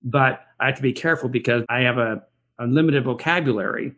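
A man's voice: medium pitch, fast, fairly bright tone. A middle-aged man as an interview guest, talking in a rambling, reflective way with frequent restarts. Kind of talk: conversational podcast interview. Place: Los Angeles area.

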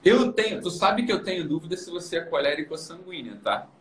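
A man hosting a casual chat, explaining personality temperaments to a young guest in an animated, teasing way. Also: fairly high pitch, quick pace. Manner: animated and teasing, often tags "entendeu?". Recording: roomy room with clear background noise.

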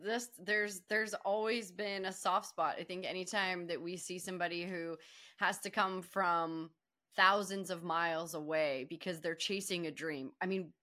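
A woman's voice: on the low side, steady tone, normal speed, bright, forceful tone. A woman co-hosting a sports podcast, reflecting conversationally and earnestly, repeating phrases for emphasis. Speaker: podcast co-host.

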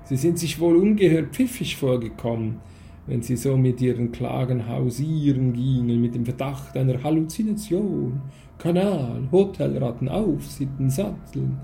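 A man's voice: mid-range voice, moderate pace, gravelly, dark tone, faint music behind, natural voice. A man voicing a stern, condescending official who lectures and scolds in an audiobook reading. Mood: scornful. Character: stern, cold male official of a drugged state.

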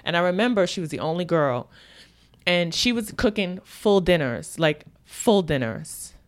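A woman's voice: fairly low pitch, unhurried. A young woman from Brooklyn chatting casually, telling stories with lots of laughter. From Brooklyn, New York. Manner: animated, laughing storyteller. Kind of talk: casual chat.

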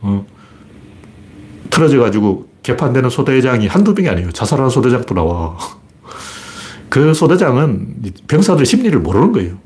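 A man's voice: mid-range voice, sing-song, moderate pace, darkish tone. A man hosting his own commentary broadcast, talking in a blunt, colloquial and argumentative way with many rhetorical questions. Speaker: political commentator.

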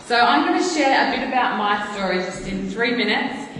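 A woman's voice: on the high side, animated, normal speed, a bit bright. A woman in her thirties giving an earnest, storytelling sermon in a church, often restarting her sentences. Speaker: preacher. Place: church hall. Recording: echoey church hall, faint noise.

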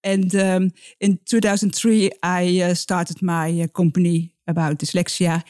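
Middle-aged woman, halting speech. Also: lowish voice, flat delivery, darkish tone, dry recording, studio quality. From Netherlands. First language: Dutch. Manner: halting, restarting phrases. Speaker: guest expert. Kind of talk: podcast interview.

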